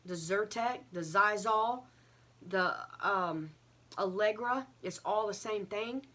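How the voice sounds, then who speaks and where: A woman giving a casual, earnest update to viewers, halting and a little short of breath as she recovers from illness. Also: medium pitch, fairly bright tone. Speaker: craft vlogger.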